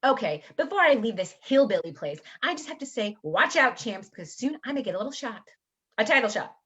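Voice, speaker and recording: A woman's voice: fairly high pitch, big pitch swings, fairly quick, fairly bright tone, husky, full character voice. A woman playing a cocky, trash-talking pro wrestler in a staged reading, boastful and taunting. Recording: dull lo-fi audio.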